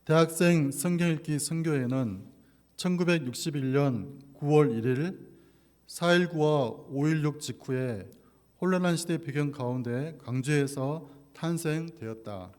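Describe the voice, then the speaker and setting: Speaking a little slowly in a slightly high, somewhat mellow voice, this man delivers a church sermon from the pulpit, including scripture readings and prayer. The hall around him is echoey with long reverb.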